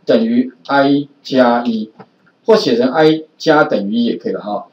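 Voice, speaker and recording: Dull, roomy lo-fi audio captures a man teaching a programming class in a Taiwanese Mandarin accent, chatty and heavy on filler particles. He speaks at normal speed with a medium pitch and a darkish tone, sounding distant.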